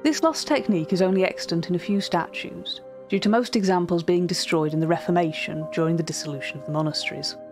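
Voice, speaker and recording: Woman playing earnest catalogue curator, low female voice, measured, formal, scripted fiction podcast, background music. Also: lightly acted. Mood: measured, intrigued. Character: cultured, earnest art catalogue curator, narrating eerie lots. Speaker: narrator.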